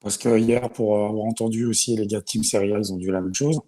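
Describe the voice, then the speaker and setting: A man's voice: fairly low pitch, steady tone, fast talker, dark tone. A man on a football debate stream, searching for words, then speaking emphatically. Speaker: regular panelist.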